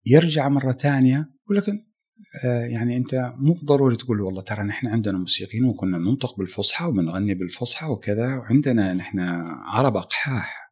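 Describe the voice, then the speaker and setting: A middle-aged man from Arabia, a musician guest talking in a casual interview, reflective and halting, often restarting his phrases. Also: mid-range voice, lively intonation, darkish tone, slightly rough. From Saudi Arabia.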